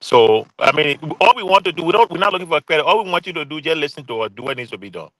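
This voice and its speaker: A man's voice: fairly high pitch, sing-song, racing, a bit bright, no echo, poor audio. A man, calling in as a guest commentator from work and speaking emphatically and pointedly. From Liberia. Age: 40s. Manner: emphatic, pointed, repeats key phrases. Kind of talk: earnest call-in commentary. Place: calling in remotely from his workplace.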